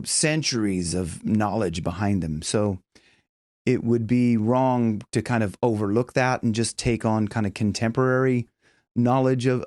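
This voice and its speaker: A man's voice: medium pitch, a little mellow, dry recording, clean studio sound. A middle-aged man giving an instructional voice lesson as a vocal coach, explaining things step by step. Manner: demonstrates with hums and sung tones. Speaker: vocal coach and professional singer.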